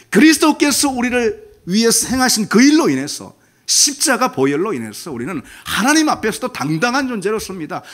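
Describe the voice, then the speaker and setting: Animated Korean pastor preaching, lively pitch. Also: male voice. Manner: animated, acts out God's anguished questions in a raised voice; conversational, asks the congregation questions. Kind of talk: sermon.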